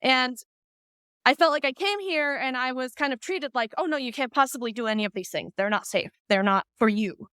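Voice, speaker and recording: A woman podcast host from Iceland, chatting in a lively, talkative way with lots of asides. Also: high-pitched, a little fast, clean tone, no room sound. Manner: chatty, lively, talks through ideas with asides. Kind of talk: casual conversation.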